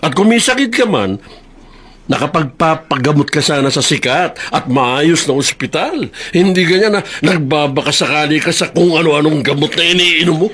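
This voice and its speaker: A man playing a bitter, jilted older brother in a radio drama, sneering and taunting, with sudden high outbursts. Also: expressive, normal speed, a bit bright.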